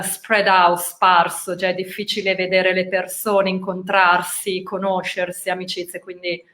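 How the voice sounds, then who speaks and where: A woman's voice: medium pitch, fairly bright tone. A woman hosting an interview, carefully repeating and restating her guest's answers. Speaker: interviewer, host. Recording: echoey room.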